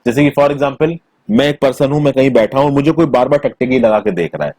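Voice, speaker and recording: A man teaching a school textbook chapter in a conversational way, mixing in English terms, recorded on a close mic in a small quiet room. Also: medium pitch, a little fast, no echo. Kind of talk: textbook lesson explanation.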